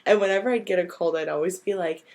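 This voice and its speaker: A woman with a hoarse voice from a cold, chatting casually and informally as a podcast co-host, given to giggling. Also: lowish voice, quick pace, a little mellow. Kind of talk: casual chat.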